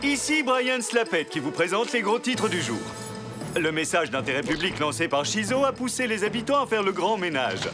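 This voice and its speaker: A man's voice: high-pitched, sing-song, moderate pace, over music. A man playing a TV news anchor in a French cartoon. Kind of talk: newscast delivery.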